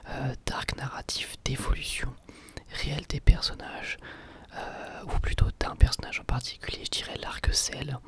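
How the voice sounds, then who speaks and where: Softly whispering man, ASMR host. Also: mid-range voice, flat delivery, moderate pace. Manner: soft-spoken, thoughtful and explanatory.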